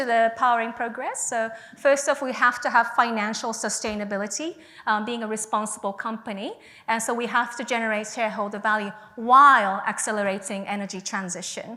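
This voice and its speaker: Audible room echo surrounds a woman speaking in a fairly high pitch. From international upbringing (Japan, South Africa, Singapore, US). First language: Japanese (Hiroshima dialect). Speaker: energy company executive. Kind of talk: conference presentation.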